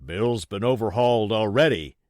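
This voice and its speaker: A man voicing rough pirate henchmen in an audiobook, calling out loudly in rustic sailor talk. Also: lowish voice, lively intonation, moderate pace, no echo, clean studio sound, natural voice. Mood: gruff reporting. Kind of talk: audiobook character voice.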